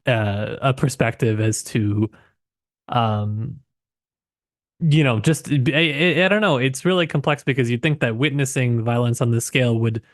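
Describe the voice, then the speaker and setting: A man's voice: mid-range voice, dry recording, studio quality. A man co-hosting a book podcast in casual conversation, tentative and searching for words as he works through his thoughts. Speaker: podcast co-host discussing a novel.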